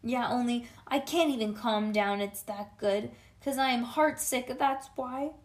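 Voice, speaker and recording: A woman's voice: on the high side, unhurried, close to an everyday voice. A woman voicing a dramatic, indignant little schoolgirl from a children's storybook, emphatic and with childish grammar. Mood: outraged.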